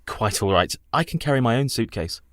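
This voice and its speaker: Courteous, uneasy young English traveler in a radio play, acted by a man, mid-pitched and expressive. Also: brisk, no room sound, studio quality, natural voice. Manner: polite, proper, increasingly nervous.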